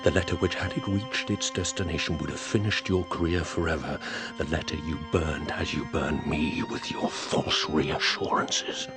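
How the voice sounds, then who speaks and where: An actor playing a vengeful aging count, grave and intense, in a radio drama. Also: male voice, a bass voice, fairly even intonation, normal speed, few pauses. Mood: cold. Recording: music score behind.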